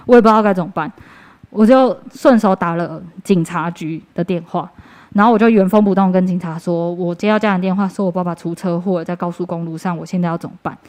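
A woman's voice: fairly low pitch, fairly even intonation, fast, a little mellow. A young woman with a Taiwanese Mandarin accent, giving a personal church testimony in an earnest, conversational way, with fillers and restarts.

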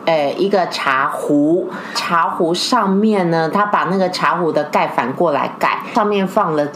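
A woman with a Taiwanese accent hosting a casual chat, telling stories in an expressive, emphatic way. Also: on the low side, measured pace, slight background noise. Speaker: podcast host. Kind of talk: casual chat, animated storytelling.

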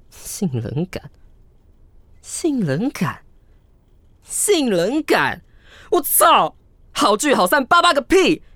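A man's voice: sits high, no room sound, exaggerated voice. A man with a Taiwanese Mandarin accent acting a jilted, sarcastic, hot-tempered gay lover in a modern radio drama. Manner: expressive, swearing, muttering to himself.

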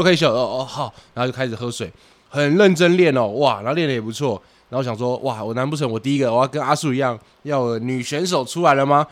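A man who coaches boxing, chatting casually on a podcast, telling lively anecdotes and swearing for comic effect. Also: mid-range voice, no room sound.

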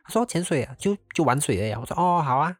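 A young man from Malaysia, casually telling a personal story as host, animated and sprinkling in English words. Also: medium pitch, breathy edge, no echo. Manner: animated, mixes English words into Mandarin, drawn-out exclamations.

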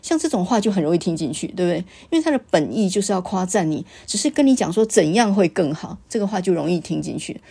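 A woman's voice: on the low side, lively intonation, fast talker, vocal fry, hardly any pauses, breathy edge. A middle-aged woman with a Taiwanese Mandarin accent hosting a podcast, telling stories and reflecting on how scolding gets passed down. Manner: storytelling, quoting her father's sharp remarks. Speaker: podcast host. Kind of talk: reflective monologue.

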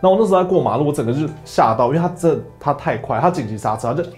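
A man's voice: very fast, faint music behind. A young man with a Taiwanese Mandarin accent, hosting a casual solo podcast and telling stories animatedly, acting out other people's lines in raised voices. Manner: animated storytelling, acts out quotes with high voices. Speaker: podcast host.

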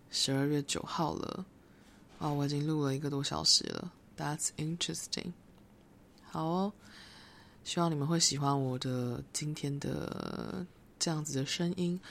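A woman's voice: sits low, gravelly, a little hiss or hum. A young woman with a Taiwanese Mandarin accent hosting a solo podcast, talking in a reflective, rambling way and slipping into English phrases. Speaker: podcast host. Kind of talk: casual solo podcast monologue.

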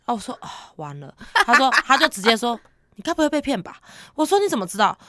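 A woman, co-hosting a casual chat and telling stories, animated and quick to laugh, acting out the voices in them. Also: a little high, dry recording, studio quality. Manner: animated, acts out quoted voices, laughs often. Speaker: podcast co-host.

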